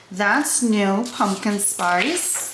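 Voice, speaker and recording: A woman talks at medium pitch with ordinary pitch variation. Noticeable background noise and audible room echo fill the recording. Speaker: self-published novelist. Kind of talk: casual product walkthrough. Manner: animated.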